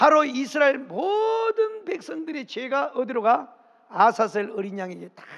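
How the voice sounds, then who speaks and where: At an extremely high pitch, a man talks with very wide pitch swings. His pace is fairly slow, and his loudness swings a lot. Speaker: pastor. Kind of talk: sermon. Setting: church. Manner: animated.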